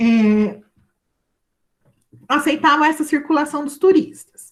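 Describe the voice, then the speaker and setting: This woman speaks at a very slow pace, her pitch high with ordinary variation. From Brazil. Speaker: school teacher. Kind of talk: online class lecture.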